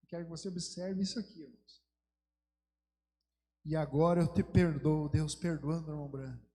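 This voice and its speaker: A high-pitched man preaches, his voice trailing off into a long, ringing hall reverb. He tells a story with fervor and presses his points with rising emphasis, as a pastor speaking from the pulpit. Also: warm tone. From Brazil. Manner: fervent storytelling preaching that swells into emphatic exhortation. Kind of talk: sermon. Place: church sanctuary.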